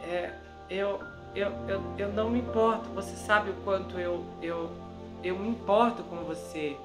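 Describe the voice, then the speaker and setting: A woman's voice: medium pitch, lightly acted. A woman reading a stammering, cornered male nurse. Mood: evasive. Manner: stammering, halting. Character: anxious evasive male nurse under suspicion. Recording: roomy with background music.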